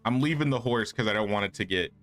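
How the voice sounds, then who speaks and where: A man's voice: lowish voice, fast talker, fairly bright tone, soft background music. A man casually chatting with viewers and answering their messages while he plays a game. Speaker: gaming streamer. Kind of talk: casual live-stream chat while playing.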